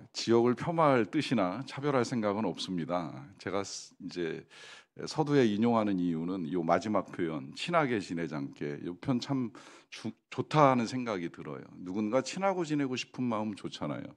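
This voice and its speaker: A male pastor gives a Sunday sermon in a church, his voice sitting fairly low. He keeps a relaxed, conversational delivery, full of small fillers and questions put to the congregation. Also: moderate pace. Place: church sanctuary.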